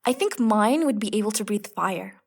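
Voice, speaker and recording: A woman's voice: mid-range voice, expressive, normal speed, gravelly, darkish tone. A woman playing a practical, wry young female adventurer in an audio comedy drama. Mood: wry, curious. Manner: wry, no-nonsense. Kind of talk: audio fiction comedy acting.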